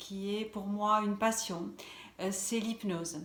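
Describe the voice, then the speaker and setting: The intonation stays fairly even. Noticeable background noise can be heard. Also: woman. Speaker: hypnotherapist. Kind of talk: recorded video self-introduction.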